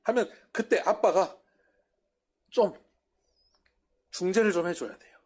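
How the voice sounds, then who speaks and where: A man's voice: sits high, big pitch swings, normal speed. A man preaching a sermon lecture, putting rhetorical questions to the congregation and acting out quoted speakers in a raised voice. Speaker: pastor.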